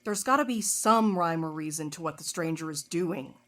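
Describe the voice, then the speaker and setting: A woman's voice: low voice, normal speed, a bit bright. A woman playing a blunt, impatient investigator in an audio drama, curt, sardonic and insistent. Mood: probing.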